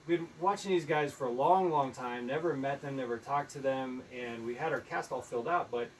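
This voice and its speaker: A soft-spoken man who produces films, speaking in a thoughtful, unhurried way and filling pauses with ums. He sits some distance from a phone mic, at a middle pitch, with a faint hiss underneath. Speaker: film producer, guest. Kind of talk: casual live video chat.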